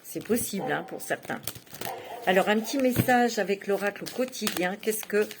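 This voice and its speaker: A woman's voice: medium pitch, expressive, moderate pace, background noise. A woman giving a casual tarot reading, chatty and often laughing, filling her speech with little asides. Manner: chatty, laughs often, many fillers like "hein". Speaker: tarot reader.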